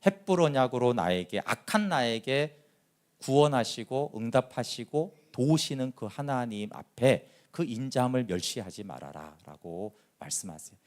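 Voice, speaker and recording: A man preaching a sermon as pastor, telling stories with lively quoted voices and asking the congregation questions. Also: medium pitch, normal speed. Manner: animated storytelling, acting out quoted voices.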